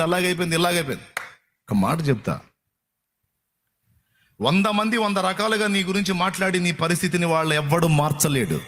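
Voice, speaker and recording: A man's voice: sits high, a bit bright. A male pastor preaching a sermon in a colloquial, repetitive style, firing rhetorical questions at his congregation.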